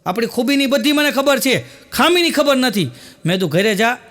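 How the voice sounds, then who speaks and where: A man's voice: extremely high pitch, expressive, fairly bright tone. A man doing stand-up, piling up repeated phrases toward a punchline. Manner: rapid rhythmic repetition building to a punchline. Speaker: stand-up comedian. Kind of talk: live stand-up storytelling.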